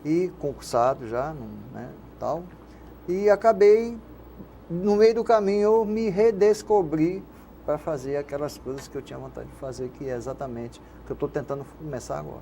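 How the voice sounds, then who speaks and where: An older man from Rio de Janeiro, a radio station manager and poet, is the guest in a casual interview, speaking with a Carioca Brazilian Portuguese accent. His mellow, highish voice is creaky and at normal speed, and he rambles reflectively, often adding "né?", with faint background noise.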